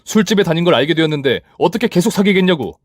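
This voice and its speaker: Guy doing a lower-voiced boss boyfriend, kinda hesitant, dry close sound. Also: lively intonation, rapid-fire, no echo. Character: smooth male company boss, boyfriend.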